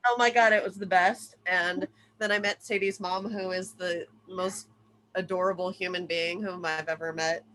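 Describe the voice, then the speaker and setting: A woman chatting casually and excitedly with friends on a video call at home, exclamatory and free with swearing. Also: lowish voice, normal speed. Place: indoors at home, in a bedroom. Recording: noisy video call audio.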